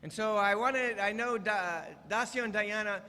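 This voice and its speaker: An older man, a visiting church elder, preaching in short phrases and pausing for an interpreter. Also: high voice, sharp tone. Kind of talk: guest sermon with live interpreter. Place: church sanctuary. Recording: church hall reverb.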